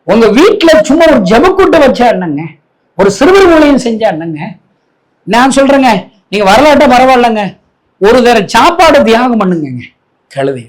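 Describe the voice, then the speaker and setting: A man's voice: very high-pitched, very animated, moderate pace, poor audio. A man preaching and leading an altar-call prayer at a home prayer meeting, fervent and repetitive, calling the crowd to repeat after him.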